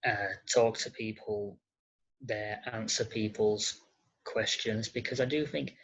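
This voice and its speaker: Podcast guest: husky and unhurried, halting as they search for words, dull lo-fi recording. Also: medium pitch, steady tone. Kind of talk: interview conversation. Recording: muffled lo-fi audio.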